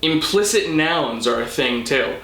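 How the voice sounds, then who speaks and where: Bright-voiced man explaining, roomy echo. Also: fairly high pitch, expressive, unhurried, vocal fry, soft background music. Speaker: host of a language explainer channel. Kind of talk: explanatory scripted narration with casual asides. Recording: roomy, echoing indoor sound.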